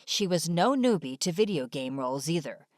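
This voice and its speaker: Low-pitched woman narrator, very dry sound. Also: big pitch swings, moderate pace, darkish tone, dry recording. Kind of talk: scripted informational narration. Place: dry studio-like voice-over recording.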